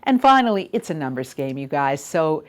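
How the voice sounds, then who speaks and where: A woman's voice: deep voice, sing-song, normal speed. A woman giving emphatic, direct instructional advice as a voiceover coach and host. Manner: emphatic, stressing key words, direct advice. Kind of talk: instructional video talk to camera.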